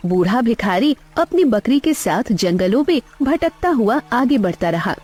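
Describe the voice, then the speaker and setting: A woman narrating a cartoon story in an expressive, dramatic way. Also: a little high, unhurried, breathy edge.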